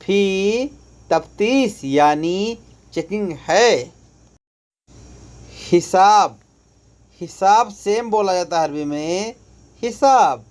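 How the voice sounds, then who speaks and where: Very slow-speaking male language teacher. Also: high voice. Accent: Indian. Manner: repeats each phrase slowly, stressing words. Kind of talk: slow phrase-by-phrase lesson.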